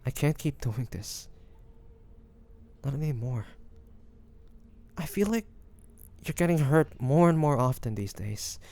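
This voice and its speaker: A male actor plays a tender, protective young man in a fantasy romance audio drama. His voice is mellow and dark with a creaky edge. He speaks haltingly and earnestly, heavy with feeling. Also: mid-range voice. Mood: anguished, pleading. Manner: halting, emotional, pleading, with pauses and sighs. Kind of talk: intimate romantic roleplay audio drama acting.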